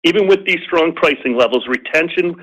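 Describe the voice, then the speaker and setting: A man's voice: on the high side, expressive, fairly quick, fairly bright tone. A man reading a scripted financial presentation on an earnings call as a company executive, in a formal, businesslike way. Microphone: conference call line. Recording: slightly dull lo-fi call audio.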